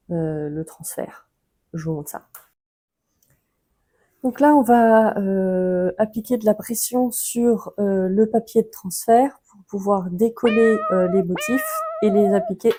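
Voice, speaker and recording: A woman's voice: mid-range voice, poor audio. A woman with a French accent, chatting casually through a book-crafting tutorial with frequent hesitations. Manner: relaxed, chatty, many hesitations.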